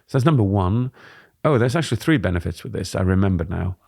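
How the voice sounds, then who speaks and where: A man in his forties, a presentation coach, explaining at a relaxed pace as he co-hosts a podcast on a studio mic. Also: fairly low pitch, fast, vocal fry. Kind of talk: casual podcast chat. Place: dim studio with warm lamps. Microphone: studio mic on boom arm.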